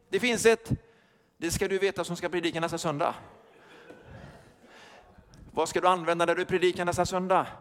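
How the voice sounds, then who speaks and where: Older pastor with a high voice, echoing hall. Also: male voice. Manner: lively, asks the congregation questions, jokes. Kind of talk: sermon. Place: church hall. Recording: long reverb of a church hall.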